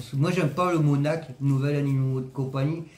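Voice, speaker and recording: Noticeable background noise beneath a man's fairly high voice. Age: 50s. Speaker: parrot owner. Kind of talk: casual talk to camera.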